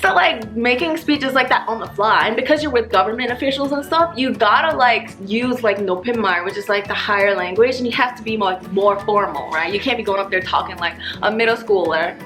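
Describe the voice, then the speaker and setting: A woman vlogger who is a native English speaker, telling stories casually in an animated, slangy way and acting out dialogue. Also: fairly high pitch, fast, hardly any pauses, faint music behind. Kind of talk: casual chat to camera, storytelling.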